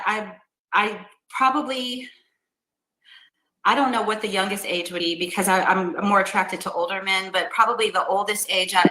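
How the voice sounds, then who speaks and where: A woman in her fifties speaks as a podcast guest, earnest and stumbling over her restarts as she explains herself. Her voice is bright and forward. The room around her gives back a noticeable echo. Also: medium pitch. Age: 50s. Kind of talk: casual interview answers.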